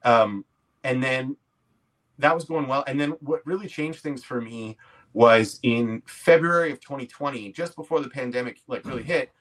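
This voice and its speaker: A man's voice: medium pitch, fairly bright tone. A man in his forties with a Canadian accent, telling anecdotes in a casual, self-deprecating way as an interview guest. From Quebec, Canada. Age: 40s. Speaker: podcast guest, comedy actor and writer. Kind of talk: casual conversational storytelling.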